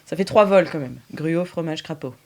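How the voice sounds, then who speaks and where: A woman's voice: low voice, normal speed. A woman narrating an improvised tabletop game as game master, chatty and hesitant, full of fillers.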